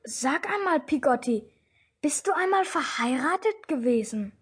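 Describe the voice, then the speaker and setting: Woman doing a little kid in a radio play, high voice, asks eager questions nonstop. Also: lively intonation, unhurried. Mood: curious. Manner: asks earnest, wondering questions. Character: little boy, about six, curious and eager. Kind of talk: radio drama acting.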